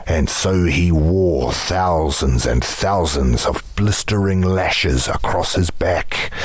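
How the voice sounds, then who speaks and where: A grave storyteller of a tribal people in a fantasy game. The voice is extremely deep and husky, and it moves slowly and solemnly through old myths of gods. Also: male voice, no echo, heavily acted. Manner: solemn, measured. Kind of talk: solemn scripted myth narration.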